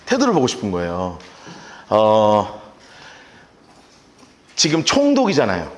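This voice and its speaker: A male pastor teaching a Bible-study sermon in a church, lively, asking his listeners questions and acting out scenes. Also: a little high, echoey room. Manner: animated, asks the audience questions and acts out scenes.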